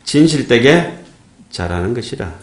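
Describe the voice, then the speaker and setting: A man's voice: mid-range voice, very animated, normal speed, echoey room. A man giving a Buddhist dharma talk in a sermon style, folksy and joking, often checking in with his listeners. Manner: folksy, joking, asks the audience "예?". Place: temple dharma hall.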